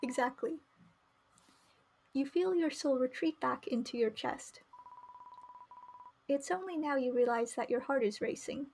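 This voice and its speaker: A woman with a high voice and a creaky edge streams a game, reading the story text aloud. She drops in chatty comments as she goes. There is some light noise in the recording. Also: unhurried, long pauses, a little mellow. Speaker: streamer playing a visual novel.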